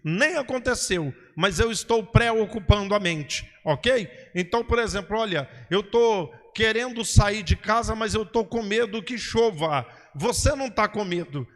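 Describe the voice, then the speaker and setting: Male preacher, high voice, didactic question-and-answer sermon delivery, long hall reverb. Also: animated, unhurried, few pauses, a bit bright. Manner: didactic, repeats "ok?" and "entendeu?", asks and answers his own questions. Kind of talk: sermon-style teaching talk.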